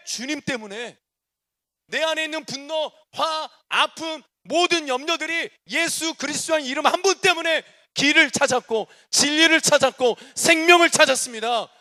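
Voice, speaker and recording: A man preaching a testimony sermon as a guest preacher. His delivery is animated, with loud declarations and soft asides. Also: extremely high pitch. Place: church sanctuary.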